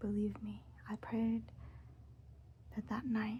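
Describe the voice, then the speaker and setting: Soft-spoken, this speaker goes along very slowly. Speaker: ASMR creator. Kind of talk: reading aloud from a book.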